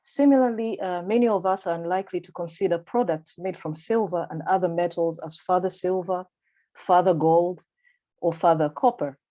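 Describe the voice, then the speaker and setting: A woman with a Malawian accent presents a prepared conference paper. Her voice sits fairly low and sounds mellow and relaxed. She speaks in a measured, formal and deliberate way, like a lecture given over a video call. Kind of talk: reading a prepared academic paper.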